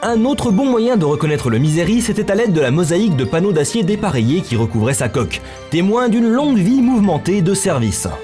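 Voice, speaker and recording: A man's voice: sits high, very animated, a little fast, hardly any pauses, dark tone. A man narrating a scripted story in literary prose as the narrator of a visual novel. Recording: music bed under the voice.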